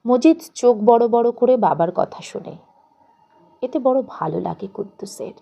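A woman reads a literary story aloud in an expressive, deliberate storytelling manner. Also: a little high, gravelly. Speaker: audiobook narrator. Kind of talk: scripted literary story narration.

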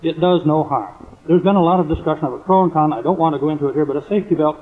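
An American man giving measured, formal explanations as an expert guest in a 1950s radio interview. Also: fairly high pitch. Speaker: military surgeon guest. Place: convention hall radio interview. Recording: noisy, clicking, phone-like 1950s radio recording.

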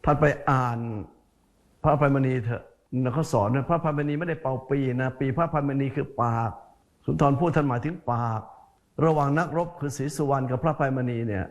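A male Buddhist monk delivers a sermon in a folksy, conversational way. He speaks straight to his listeners and repeats key words again and again for emphasis, with a voice of ordinary middle pitch. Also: brisk. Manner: speaks to listeners directly as "sir".

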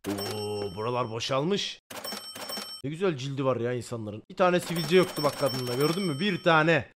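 A man streaming a game, chatting casually with his viewers, excitable and swearing, breaking into loud shouts. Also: medium pitch, moderate pace, noisy background. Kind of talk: casual gameplay commentary with chat.

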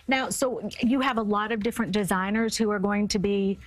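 A woman's voice: medium pitch, brisk. Woman TV anchor prompting guests. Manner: friendly prompting, frequent mm-hmm. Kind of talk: morning show interview. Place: TV studio set. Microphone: lapel mic.

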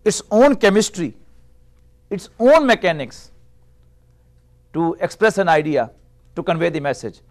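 A middle-aged man whose first language is Urdu, giving a classroom lecture on a lapel mic in a small room, measured and explanatory, posing rhetorical questions. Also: high-pitched, sing-song. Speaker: Arabic teacher.

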